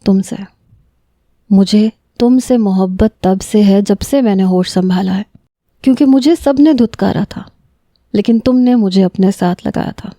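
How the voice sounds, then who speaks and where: A woman voicing a young man, a stern cousin in love, who lectures firmly and then pleads softly in a narrated romance story. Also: mid-range voice, no room sound, studio quality, close to an everyday voice. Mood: earnest.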